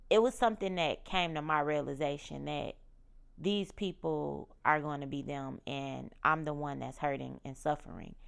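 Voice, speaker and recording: A woman's voice: deep voice, vocal fry. A woman in her thirties hosting a podcast, talking candidly and emphatically about her own growth, often repeating her key phrases. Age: 30s. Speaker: podcast host. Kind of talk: personal reflective monologue.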